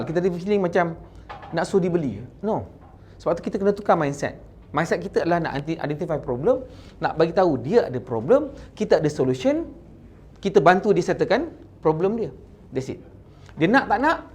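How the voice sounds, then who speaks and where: This Malaysian-accented man, whose husky voice sits high, coaches insurance agents in a sales training talk. He drops English terms into his Malay, gives lively stresses, and regularly checks in with "kan?"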